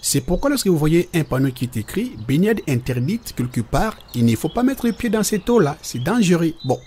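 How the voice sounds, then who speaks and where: A man playing a patient father in a Christian children's cartoon, explaining things step by step in a husky voice. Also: on the high side, sing-song, brisk, darkish tone, a little hiss or hum. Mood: patient, instructive. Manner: didactic, explains definitions step by step.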